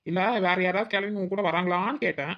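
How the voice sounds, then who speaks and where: Cheeky whiny daughter-in-law voiced by a woman, quick talker, kinda dull lo-fi sound, cartoon. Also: on the low side, fairly even intonation, natural voice. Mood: whining. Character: young daughter-in-law, cheeky, greedy for good food. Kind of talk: cartoon voice acting.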